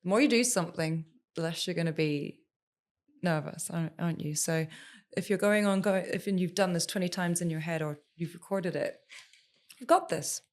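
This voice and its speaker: A woman's voice: lowish voice, normal speed. A woman who is a singer and former TV presenter, speaking as a podcast guest and giving voice-care tips with emphatic repetition. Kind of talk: podcast interview.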